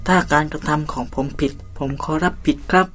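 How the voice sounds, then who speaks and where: A man's voice: a little high, fairly quick, fairly bright tone. An actor playing a polite, loyal employee who takes the blame in front of his boss. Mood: deferential. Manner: polite, deferential. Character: loyal male company employee.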